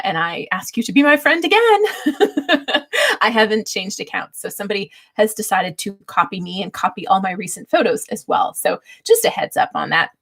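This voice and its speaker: A woman's voice: medium pitch, fairly bright tone, slightly rough. Chatty woman hosting a livestream. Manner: chatty, informal, quick to laugh. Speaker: livestream host. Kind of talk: casual livestream chat with advice.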